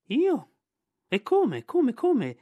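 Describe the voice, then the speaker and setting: A man's voice: very high voice, huge pitch swings, extremely slow, dry recording, narrow, tinny audio, voice pushed up, exaggerated voice. A man voicing a huge proud male rock python who talks with scorn and rising outbursts. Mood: indignant.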